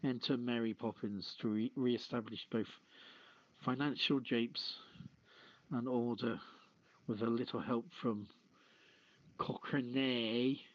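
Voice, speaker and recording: Male show host, unhurried and halting, jokey casual delivery, close dry mic with dull lo-fi sound. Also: medium pitch, fairly even intonation, no echo. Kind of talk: casual live show chat and news reading. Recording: dull, lo-fi audio.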